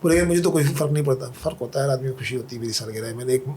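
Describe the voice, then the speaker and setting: A man's voice: mid-range voice, racing, a little mellow, a little hiss or hum. A man from Karachi, a podcast guest, talking in a thoughtful, conversational way, telling anecdotes and quoting poetry. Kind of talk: reflective conversational Urdu talk.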